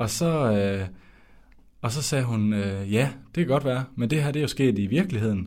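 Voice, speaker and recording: Long, frequent pauses mark this man's speech, which moves at a moderate pace in a medium pitch. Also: lively intonation. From western Jutland, Denmark (Skjern). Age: 20s. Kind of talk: faith testimony interview.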